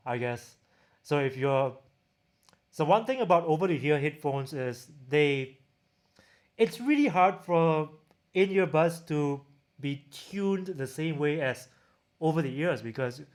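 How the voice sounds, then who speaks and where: Male livestream host, Singaporean accent, casual chat, slightly higher-pitched voice, answering viewers. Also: expressive, measured pace. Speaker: livestream host, audio gear reviewer.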